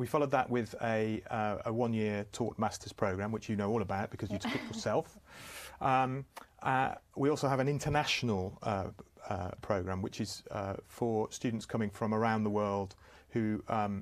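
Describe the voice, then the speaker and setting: Here a man talks in a plain, everyday voice. His pitch is fairly low, his intonation fairly even, and his pace moderate. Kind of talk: interview answer. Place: studio. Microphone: lapel.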